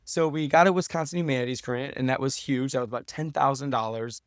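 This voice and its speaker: In studio-quality audio without room sound, a podcast guest who is a professor and documentary maker gives casual, earnest conversational interview answers. His mid-range voice has fairly even intonation, he talks fast, and he often slips in "you know" and "like."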